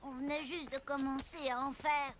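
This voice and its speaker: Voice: high voice, flat delivery, moderate pace, natural voice. A performer voicing an indignant small child in a children's cartoon, protesting in a whiny way. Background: background music.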